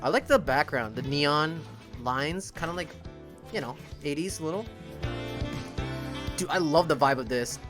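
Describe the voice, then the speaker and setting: A man's voice: a little high, a little slow, pauses often, music in the background. A young man giving casual, gushing, slangy reaction commentary as a video game YouTuber.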